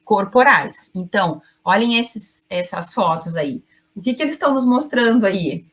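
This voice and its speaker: A middle-aged woman teaching an online class as a communication coach, speaking emphatically in short phrases with deliberate pauses and addressing her audience directly. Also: mid-range voice.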